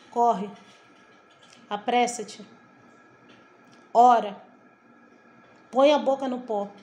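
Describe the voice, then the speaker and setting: A woman's voice: fairly high pitch, darkish tone. A middle-aged woman from Brazil preaching a devotional sermon in a fervent, emphatic way, often repeating her phrases. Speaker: evangelical preacher.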